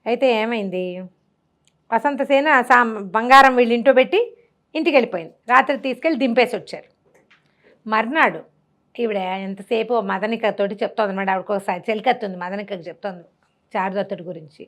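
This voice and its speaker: A woman's voice: fairly high pitch, fairly quick, long pauses. A woman tells a classical tale off the cuff as a storyteller, explaining conversationally and repeating phrases as she goes.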